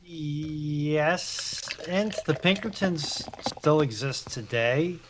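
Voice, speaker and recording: A man's voice: on the high side, extremely slow, noisy background. A man speaking as a panelist in an informal discussion, adding comments and clarifications.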